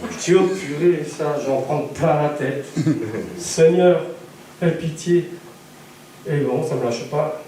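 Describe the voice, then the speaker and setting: A high-voiced male evangelist preaches to his congregation, telling his story with laughter and acted-out voices. He sounds far from the microphone in a very echoey church hall, with faint noise behind him. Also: moderate pace, mellow. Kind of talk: sermon with personal testimony.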